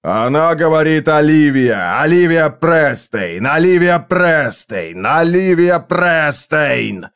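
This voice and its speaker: A tormented phantom in flames performed by a male narrator speaks in a hoarse, insistent voice. The words come out very slowly and anguished, in an audiobook style. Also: mid-range voice, expressive. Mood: urgent, eerie. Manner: drawn-out, anguished, insistent exclamations. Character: eerie burning apparition of a tormented, laughing man.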